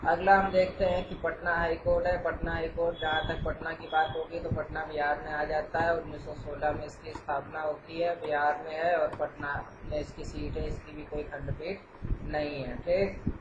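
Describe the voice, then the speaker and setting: A man's voice: a little high, flat delivery, moderate pace. A man who teaches an exam-prep lecture, explains patiently and keeps checking with "theek hai". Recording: echoey, dull, noisy room.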